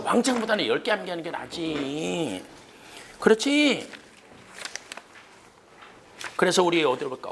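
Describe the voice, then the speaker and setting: A man teaching an exam-prep history class in a cram school lecture room. He keeps firing quick questions at the students, shouts punchy "eh?" checks and uses jokey memory tricks. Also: a little high, a little hiss or hum.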